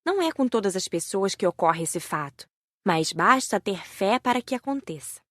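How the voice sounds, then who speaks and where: A woman narrating a scripted audiobook story in the first person, with measured, careful enunciation. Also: mid-range voice, lively intonation, no room sound, clean studio sound.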